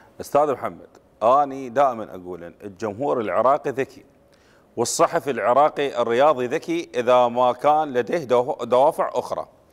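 Using an ordinary speaking voice, a man talks in a fairly high pitch with lively intonation. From Iraq. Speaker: sports journalist. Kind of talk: football analysis discussion; talk show discussion. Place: studio. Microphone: lapel.

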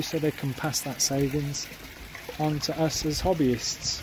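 A man speaking over noticeable background noise. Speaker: koi hobbyist vlogger. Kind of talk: casual vlog chat. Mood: enthusiastic, relaxed. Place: garden. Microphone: phone near.

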